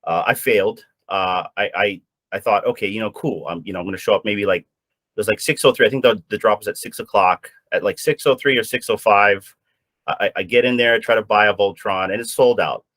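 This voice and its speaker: A man's voice: fairly low pitch, brisk, a bit bright, no echo. A man from Hawaii chatting casually on a panel, a little nervous, stammering and rambling. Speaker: guest panelist. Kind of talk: casual chat.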